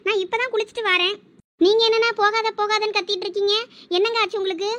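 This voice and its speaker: A woman voicing a lively, affectionate young wife in a cartoon, speaking with a Thoothukudi Tamil accent and exclaiming often. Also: very high-pitched, fast talker, no room sound. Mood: puzzled. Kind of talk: cartoon voice acting.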